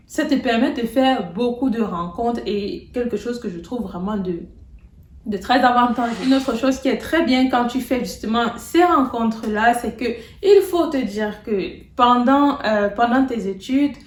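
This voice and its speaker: A woman's voice: medium pitch, a little mellow, slight background noise. Chatty woman vlogging in a roomy space. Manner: chatty, many fillers and restarts. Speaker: video blogger. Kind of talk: casual advice vlog. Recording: roomy, distant from the mic.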